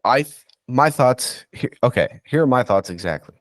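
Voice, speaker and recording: A man's voice: mid-range voice, lively intonation, normal speed, no room sound. A man with a stuffy, congested voice from being sick, talking in a rambling, rant-prone way as a guest football insider on a casual sports chat. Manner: rambling, rant-prone, says "dude" and "okay".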